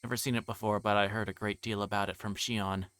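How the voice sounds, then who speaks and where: A man's voice: lowish voice, flat delivery, fast, a bit bright, dry recording. A man streaming a game, reading its narration aloud in a dramatic way, with game music behind him.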